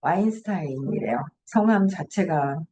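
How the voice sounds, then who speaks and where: A middle-aged woman with a slightly low voice reads from a book and then talks it over. She muses aloud, poses questions to herself and laughs easily. A faint hiss sits under her voice. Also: lively intonation, normal speed, dark tone. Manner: chatty, musing, laughs often, asks herself questions. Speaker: host. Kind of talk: reading aloud and reflective commentary.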